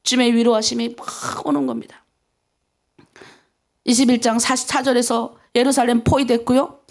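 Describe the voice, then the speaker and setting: Gravelly-voiced woman pastor preaching. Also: on the high side, little pitch movement, normal speed. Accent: North Korean. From North Korea. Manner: emphatic preaching, acting out tearful prayers. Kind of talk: dawn prayer sermon.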